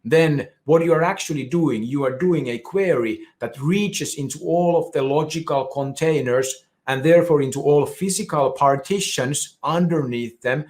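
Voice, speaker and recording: A man's voice: a little high, normal speed, hardly any pauses, darkish tone. A man from Finland with a Finnish accent, giving a technical conference presentation in an explanatory way with frequent restarts. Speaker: conference speaker.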